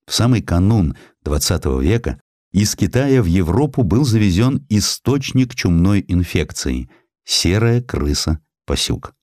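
A man with a deep, low voice narrates historical prose like a literary audiobook. His delivery is measured and expressive, with a dramatic storyteller's shaping. The sound is dry and close, free of room echo.

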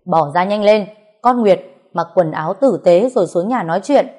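A woman voicing a fierce older mother-in-law who scolds and laments loudly. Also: medium pitch, animated, normal speed, lightly acted. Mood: commanding.

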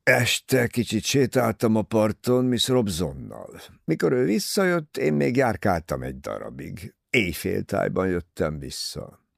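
A man reading an audiobook, voicing a rude, hot-headed young man who is scornful and breaks into shouting. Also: fairly low pitch, sing-song, gravelly, dry recording, clean studio sound, full character voice.

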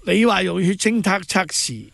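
A man with a Cantonese accent hosting a radio talk show, giving blunt, mocking political commentary and breaking into quick impressions. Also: high voice, lively intonation, gravelly, a bit bright.

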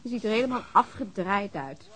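A woman's voice: medium pitch, animated, fairly quick, a bit bright, slight background noise, natural voice. An actress playing a frank, inquisitive woman in a naturalistic radio drama, talking informally and probing with short questions. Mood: frank, coaxing. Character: frank, inquisitive woman hosting a guest at home.

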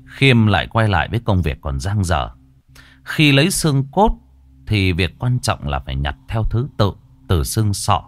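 A man narrating a horror story in a vivid, lively storytelling manner. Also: fairly low pitch.

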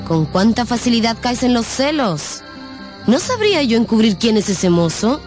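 A woman's voice: a little high, sing-song, normal speed. An actress playing a proud, teasing young gypsy woman, self-assured and chiding, in a radio drama. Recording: music behind the voice.

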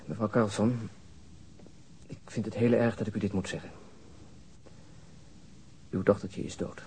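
An actor playing a sober, weary police detective in a radio crime drama, terse and subdued. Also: male voice, fairly low pitch, fairly even intonation, a little slow, darkish tone, slight background noise. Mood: gentle, grave. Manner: terse, matter-of-fact, subdued.

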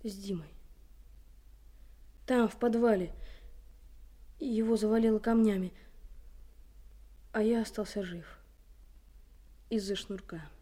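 A guilt-stricken little boy in a wartime radio drama. The voice is mellow and subdued, and the phrases come haltingly. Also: mid-range voice, fairly even intonation. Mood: shaken, guilty. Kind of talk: Soviet radio drama acting.

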